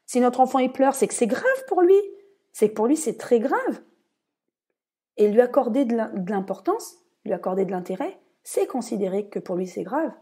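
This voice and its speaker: A woman's voice: fairly high pitch, big pitch swings, normal speed, warm tone, husky. A woman hosting a podcast, explaining her views in an earnest, casual monologue. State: tired. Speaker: podcast host.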